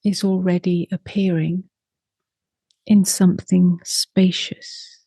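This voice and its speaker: A woman guides a meditation in a slightly low, mellow voice. She is soft and breathy, sometimes close to a whisper. Her phrases are short and very slow, with long silences between them. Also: level tone, no room sound. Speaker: meditation teacher.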